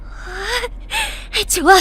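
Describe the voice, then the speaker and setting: A high, swooping young voice for a sheltered survivor in an audio drama. The delivery is slow and wide-eyed, full of small hesitant exclamations and eager wonder. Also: female voice, sing-song, bright, forceful tone, heavily acted. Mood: eager, hopeful. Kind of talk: Korean audio drama acting.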